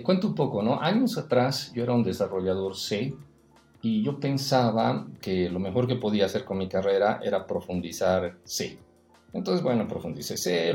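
A man, a native Spanish speaker, speaking as a podcast guest in a relaxed conversation, telling stories reflectively and often tagging his sentences with a questioning "no". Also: medium pitch, creaky, reverberant. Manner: reflective, storytelling, frequent "¿no?" tags. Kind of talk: casual interview conversation.

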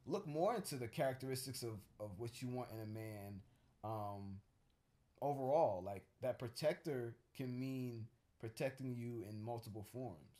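A man's voice: medium pitch, normal speed, mellow. A man co-hosting a casual podcast chat, talking in a rambling, thoughtful way with many fillers and restarts. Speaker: co-host.

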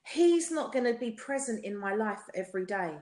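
South london woman, highish voice, telling her story on a podcast, emphatic, lots of echo. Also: lively intonation, normal speed, a little mellow. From South London, England. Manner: emphatic, rhetorical repetition, often seeks agreement. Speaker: podcast guest, singer. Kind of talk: personal testimony in a podcast conversation. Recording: roomy, echoey sound.

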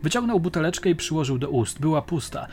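A man narrating a crime audiobook in a measured, dramatic storytelling manner. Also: a little high, very animated, darkish tone, faint music behind. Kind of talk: audiobook reading.

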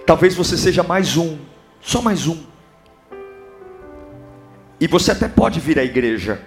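A Brazilian man preaching a sermon, impassioned, building up to shouting. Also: fairly high pitch. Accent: Brazilian Portuguese.

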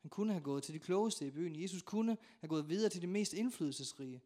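A man preaching a sermon in a church, telling stories with dramatic acted-out voices and sudden shouts. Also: high-pitched, lively intonation. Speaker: pastor.

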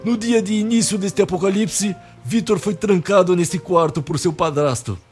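A man's voice: sits high, normal speed, a little mellow, close to an everyday voice. A man playing a nervous, rambling, exasperated Santa Claus in a comedic radio play. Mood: explaining, storytelling. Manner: theatrical, long-winded, exasperated. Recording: music behind the voice.

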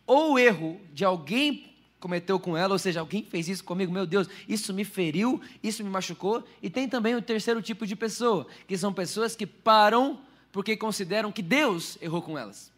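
A man with a notably high voice preaches a sermon to his congregation. His delivery rises suddenly and then drops soft. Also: brisk. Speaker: pastor.

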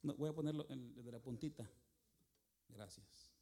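Folksy, joking preacher, mellow voice. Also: male voice, medium pitch, moderate pace. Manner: folksy, joking, calls listeners "hermano". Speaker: traveling worship singer and preacher. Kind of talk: sermon. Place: church.

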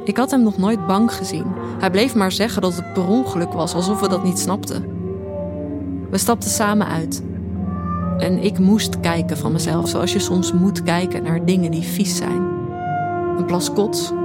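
An actress playing a detached, introspective woman who narrates her own story in a deadpan, reflective way for an audio drama. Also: fairly low pitch, unhurried, lightly acted. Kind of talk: scripted first-person audio drama narration. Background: music.

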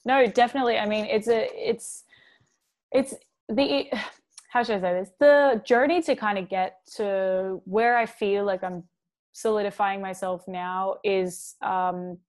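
A young woman singer talks casually about her music in an interview. Her talk is loose and chatty, packed with "like" and "um", and she often acts out what she said to others. Her voice sits at an ordinary middle pitch. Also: steady tone, measured pace, darkish tone. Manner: chatty, many "like" and "um" fillers, quotes herself.

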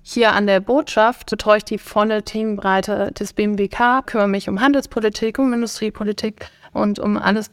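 A woman's voice: medium pitch, dry recording, clean studio sound. A woman speaking as a guest on a podcast panel, connected remotely, in a fluent and orderly way. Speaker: embassy economic officer, panel guest.

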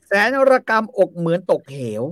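A man voicing a humiliated, bitter captive prince who declaims loudly in anguish. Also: normal speed, no echo, studio quality, natural voice.

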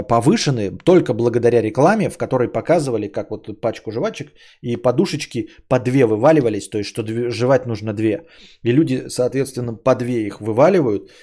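A man's voice: medium pitch, warm tone. A man hosting a podcast stream, reading out donations and rambling casually with many hesitations and blunt swearing. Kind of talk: casual livestream chat.

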